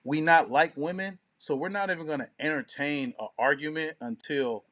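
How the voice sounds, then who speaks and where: Guy w a bit higher voice co-hosting a casual talk show, lots of slang n cussing, opinionated. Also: moderate pace, a crowd in the background. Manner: slangy, profane.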